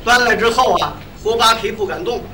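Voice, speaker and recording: A man tells a comic crosstalk story in a bright, high voice. His pitch swings widely as he jumps in and out of his characters, over a faint hiss. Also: fairly quick. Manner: lively, briefly acts out each character in the tale. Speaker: lead crosstalk comedian.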